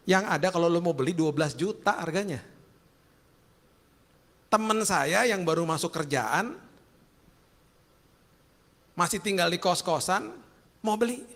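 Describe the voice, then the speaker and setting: A middle-aged man with a Jakarta accent, telling lively, joking stories in a sermon. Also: sits high, a little slow, long pauses. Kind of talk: storytelling sermon. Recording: long hall reverb.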